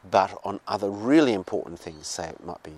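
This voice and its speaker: A man with an Australian accent talks through his thoughts in a casual, meandering monologue. His voice sits very low, and he often stops and restarts his phrases. He is recorded outdoors. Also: expressive, a little mellow. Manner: halting and digressive, restarting phrases. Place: outdoors with birds nearby.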